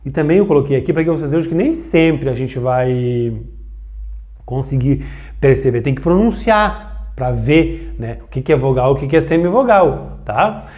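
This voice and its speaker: A man teaching a grammar lesson at a board, animated and drawing words out for emphasis while checking in with his students. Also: medium pitch, normal speed. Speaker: Portuguese teacher.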